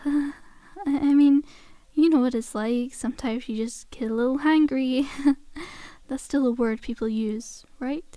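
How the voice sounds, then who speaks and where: A woman's voice: sits high, unhurried, dark tone, dry recording. A woman playing a cheeky, cajoling undead zombie girl in an ASMR roleplay, with a casual, teasing, conversational delivery. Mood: nervous, backpedaling.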